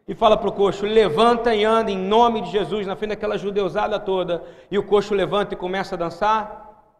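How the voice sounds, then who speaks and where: A man's voice: sits high, in a large hall. A man preaching a sermon emphatically, calling out questions to the congregation.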